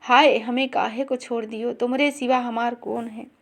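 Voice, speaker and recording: Storybook part: a woman doing a timid hunchbacked woman, soft and pleading, slightly high voice. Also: fairly even intonation, moderate pace, natural voice. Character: hunchbacked older woman, meek and devoted.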